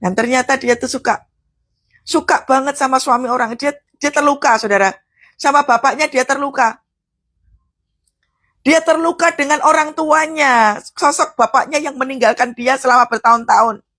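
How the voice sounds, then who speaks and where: Woman preacher, husky voice, higher pitch, storytelling sermon. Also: moderate pace, a bit bright. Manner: storytelling, often addresses listeners as brothers and sisters. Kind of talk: live devotional sermon.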